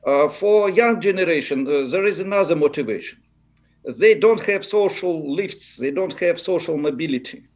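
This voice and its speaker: A man with a Russian accent, speaking non-native English in a halting way as he gives unscripted political analysis in an interview. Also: on the high side, expressive, lo-fi sound.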